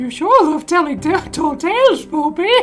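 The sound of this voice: Faint music plays behind a put-on character voice that sounds female, pitched extremely high for a woman and delivered at a moderate pace.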